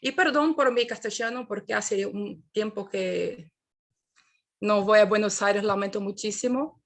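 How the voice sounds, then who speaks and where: A woman from Brazil, a native Portuguese speaker with a Brazilian accent, giving an academic talk over a video call, halting and searching for words. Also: mid-range voice. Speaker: panel speaker.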